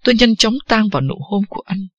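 An audiobook narrator reading a first-person novel at a steady, unhurried pace. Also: mid-range voice, dry recording, highs cut off.

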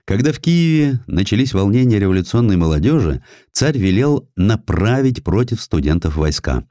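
A man reading literary historical prose as an expressive audiobook narrator, in a measured storytelling way. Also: on the low side, no echo. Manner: measured, storytelling delivery, acts out quoted dialogue.

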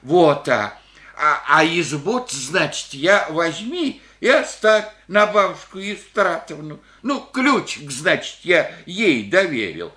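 A man's voice: fairly high pitch, very animated, slow pace, bright, forceful tone, full character voice. An actor playing a humble, elderly village grandfather who speaks in a rambling, hesitant rustic way in a radio play. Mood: plain, rueful. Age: older. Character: humble old village grandfather, burned out of home.

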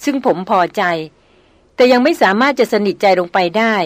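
A woman's voice: a little high, normal speed, no room sound, lightly acted. A woman reading an audiobook novel, voicing a proud, wry male jungle hunter with a dry, teasing manner. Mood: earnest.

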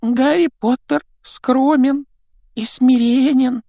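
A man voicing a tearful, groveling male house-elf with a shrill, squealing, wailing voice in an audiobook reading. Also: fairly even intonation, slow pace, vocal fry, dark tone, no echo, studio quality, full character voice. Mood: pleading, fervent. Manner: squealing, wailing, self-pitying. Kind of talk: audiobook character voice.

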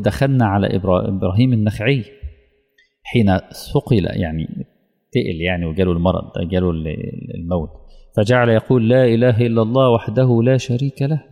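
A man preaching a sermon with an Egyptian Arabic accent, emotional and emphatic, slowing down and dropping to hushed tones. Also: mid-range voice. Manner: emotional, slow emphatic preaching that drops to near-whispers. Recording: long hall reverb.

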